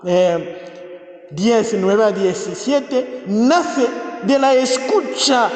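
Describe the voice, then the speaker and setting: Fervent priest in an echoey church. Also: male voice, high voice, extremely slow, darkish tone. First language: not Spanish. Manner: fervent, repetitive invocations, rising to exclamations. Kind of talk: healing mass homily. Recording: echoey church with long reverb.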